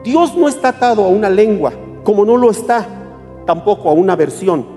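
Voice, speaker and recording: Mellow-voiced preacher in an echoing hall. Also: medium pitch, lively intonation, a little fast. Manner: emphatic, rhetorical questions to the congregation. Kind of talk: sermon. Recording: echoey hall with faint music.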